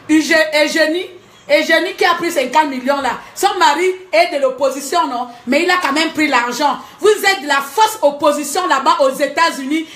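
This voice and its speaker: A woman's voice: extremely high pitch, fairly bright tone. A woman vlogger angrily ranting to the camera at home, scolding her critics and laughing between jabs. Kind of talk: angry rant to camera. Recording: echoey room.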